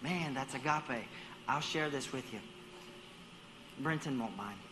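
A man's voice: medium pitch, a little slow, background noise. A man preaching a sermon as a guest speaker at a church service. He talks animatedly, acts out dialogue in other voices and repeats words while he gathers his thoughts.

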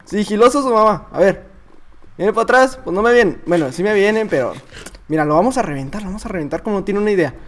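A man with a Mexican accent voicing a naive, boastful little boy, chattering excitedly through comedic gameplay commentary. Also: high-pitched, quick pace. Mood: playful. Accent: Mexican Spanish. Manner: childish, excitable, chattering to himself. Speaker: gamer.

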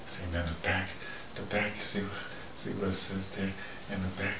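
A middle-aged American man giving a rambling, casual monologue to camera, halting and repeating words as he digresses. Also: low voice, little pitch movement. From North America. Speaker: host of a personal video dispatch. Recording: echoey room, distant mic, noisy background.

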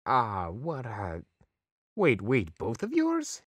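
A man's voice: wildly swooping pitch, slow pace, dry recording, heavily acted. An actor playing Discord, a snarky, theatrical male chaos spirit in a fan radio drama. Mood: awkward. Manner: sarcastic, theatrical swings in pitch.

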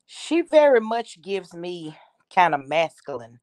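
The woman you'd hear hosting a casual commentary channel, speaking fairly low in a dry room, sharing her opinions directly with subscribers. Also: big pitch swings, slow, a little mellow, dry recording. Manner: conversational, opinionated, addressing listeners directly. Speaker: YouTube commentator, host.

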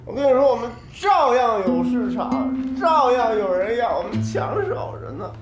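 A sloppy, giggling drunk, a divorced man who rambles and teases with a drawl. His pitch leaps wildly from low mutters to squeaky highs. The scene sounds roomy, with loud music playing under it. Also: animated, moderate pace. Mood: drunk, teasing.

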